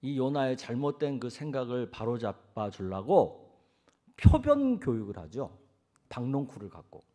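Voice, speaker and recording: A male senior pastor preaching a sermon in a colloquial, storytelling manner, acting out scripture with lively emphasis. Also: medium pitch, unhurried.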